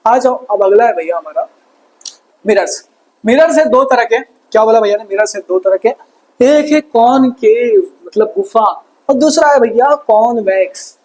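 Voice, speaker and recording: A man's voice: very high voice, lively intonation, a little slow, darkish tone, low-quality recording. A male teacher with an Indian accent giving an exam revision lesson, cracking jokes and constantly asking his students questions. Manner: joking, calls himself bhaiya, keeps asking students questions.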